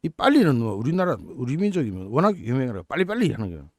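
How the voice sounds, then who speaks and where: A man's voice: mid-range voice, big pitch swings, fast, no room sound. Man, channel host, mocking commentary, incredulous, dry close sound. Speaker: political YouTube channel host. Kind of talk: commentary on a news topic.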